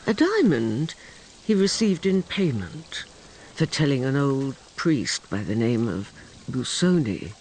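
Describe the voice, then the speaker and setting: A man's voice: mid-range voice, sing-song, slow, darkish tone, a little hiss or hum, poor audio. A man narrating a radio drama in a flamboyant, arch storytelling manner. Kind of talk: theatrical scripted narration.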